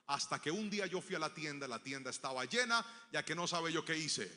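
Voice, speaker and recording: Bright-voiced preacher man in a reverberant hall. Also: on the high side, animated, fairly quick. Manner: storytelling, acting out quoted voices, swelling to loud proclamation. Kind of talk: sermon with personal testimony.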